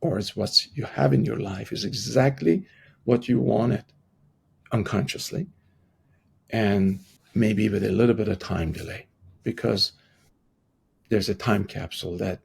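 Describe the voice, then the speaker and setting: A middle-aged man with an Iranian accent speaks in a husky voice full of creak. He is a guest in an interview, sharing personal stories in a reflective, conversational way. His English is that of a Persian speaker. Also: lowish voice, a little slow, long pauses, a little mellow. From Iran. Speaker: podcast guest, transformational coach.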